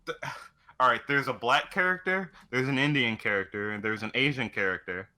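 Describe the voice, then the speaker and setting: A man's voice: mid-range voice, a little fast, sharp tone. A man chatting casually as co-host of a video game show, swearing freely as he goes. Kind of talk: casual chat.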